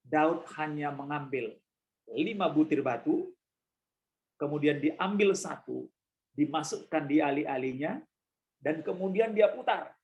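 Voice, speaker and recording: Gravelly-voiced male pastor preaching. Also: fairly high pitch, expressive, unhurried, pauses often, a little mellow, highs cut off. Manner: repetitive emphatic preaching; addresses congregation directly. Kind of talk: sermon. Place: church.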